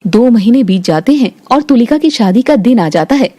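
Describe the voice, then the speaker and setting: Woman narrator, high voice, matter-of-fact cartoon storytelling. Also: expressive, moderate pace, mellow.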